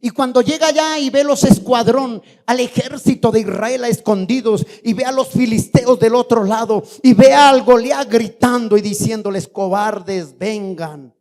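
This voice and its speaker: A man's voice: extremely high pitch, moderate pace, few pauses, darkish tone. A man, a pastor, preaching a fiery sermon in church and quizzing the congregation with questions. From Colombia.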